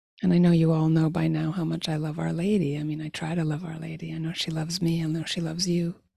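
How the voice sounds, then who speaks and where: A woman speaks at a very fast pace with hardly any pauses, in a very deep, low pitch with a dark, mellow, somewhat breathy tone and monotone, flat intonation. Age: 60s. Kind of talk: reflective solo podcast monologue.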